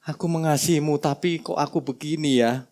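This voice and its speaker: A man's voice: on the high side, steady tone, brisk, a little mellow, lightly acted. A man voicing an emotional, earnest male disciple who pleads in an overwrought, tearful way.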